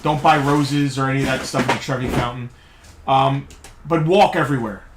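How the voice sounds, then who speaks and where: A relaxed man co-hosting a collectibles live stream, chatting easily and offering friendly tips. A clear background noise sits under his voice, like home stream audio. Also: medium pitch, brisk, echoey room. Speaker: co-host of a toy shop live stream. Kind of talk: casual chat while running a stream.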